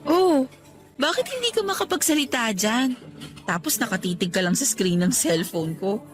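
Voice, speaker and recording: A woman's voice: fairly high pitch, sing-song, normal speed, music in the background. A woman with a Filipino accent acting as a loving, teasing and direct young girlfriend in a radio romance drama. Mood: excited, expectant.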